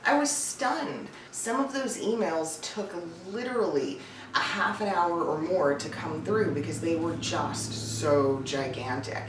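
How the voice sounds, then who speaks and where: A woman's voice: deep voice, lively intonation, unhurried. A woman hosting an advice vlog as a voice-over coach, talking to listeners in a chatty, emphatic, informal way. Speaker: host, voice-over coach and casting director. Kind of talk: scripted-feeling advice vlog to camera. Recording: roomy echo, distant mic, faint noise.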